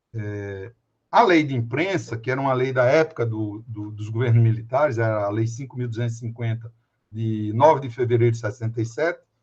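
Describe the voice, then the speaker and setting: Somewhat breathy, a man talks at a fairly quick pace, his pitch medium and its variation ordinary. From Brazilian Northeast. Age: 60s. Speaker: judge and law lecturer. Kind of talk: lecture. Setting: online live stream.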